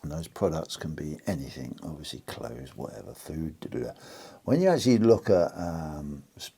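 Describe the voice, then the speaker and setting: A British man from the United Kingdom hosts a precious metals channel, talking casually to camera in an informal, rambling way full of fillers and restarts. His voice is extremely low, gravelly, husky and warm, animated at a moderate pace.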